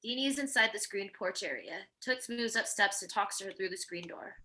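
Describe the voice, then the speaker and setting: A woman's voice: mid-range voice, fairly quick, bright, forceful tone. A woman narrating a screenplay, reading stage directions in a scripted table-read style.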